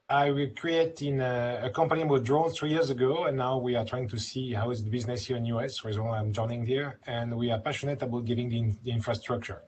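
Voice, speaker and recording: French male guest, halting English, faint hiss behind. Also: medium pitch, low-quality recording. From France. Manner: halting, searching for words. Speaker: guest, company founder. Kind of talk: casual panel chat.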